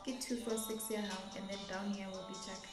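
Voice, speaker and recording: A woman's voice: medium pitch, level tone, brisk. A young adult woman with a South African accent, chatting casually as she hosts a vlog. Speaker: vlogger hosting an eating challenge. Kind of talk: casual chat. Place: small living room, indoors. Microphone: camera a short distance away. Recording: echoey room, music behind.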